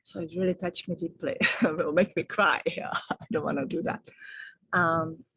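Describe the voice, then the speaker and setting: Breathy woman, gentle and low. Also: fairly even intonation, moderate pace, no echo. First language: Czech. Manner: gentle, affectionate, soothing. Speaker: spiritual teacher and author. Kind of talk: spiritual guidance vlog.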